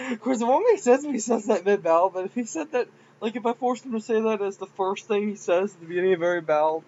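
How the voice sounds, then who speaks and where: Giggly rambling man, high voice. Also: fast talker, few pauses, a little mellow, muffled recording, slight background noise. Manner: rambling, giggly, self-mocking. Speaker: game modder. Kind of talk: casual game commentary.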